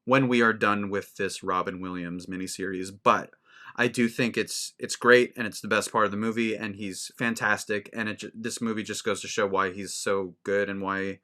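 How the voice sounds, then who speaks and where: A man's voice: on the low side, steady tone, normal speed, pushed and bright. A man hosting a casual film podcast, talking in a rambling way with many restarts. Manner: rambling, restarts a lot, laughs often. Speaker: podcast host.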